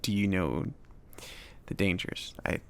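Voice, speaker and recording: A man playing a friendly, awkward mage who runs a magic shop, rambling and reassuring in a soft-spoken ASMR roleplay. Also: sits low, a little slow, gravelly, clean tone. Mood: helpful, rambling. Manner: rambling, hesitant, reassuring, with nervous chuckles.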